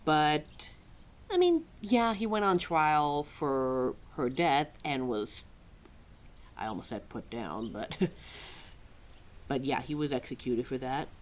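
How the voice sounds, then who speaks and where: A woman's voice: sits low, slow pace, pauses often, heavily acted. A woman playing a chatty, indignant keeper of forgotten lore in an ad-libbed audio roleplay, rambling and often talking to herself. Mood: indignant, amused. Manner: rambling, talks to self, animated, sighing.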